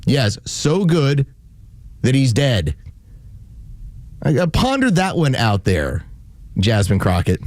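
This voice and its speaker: A man's voice: medium pitch, wildly swooping pitch, takes it slowly, long pauses, no room sound. A man hosting political talk radio, giving emphatic commentary with a sarcastic edge and mock quotes. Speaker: radio show host.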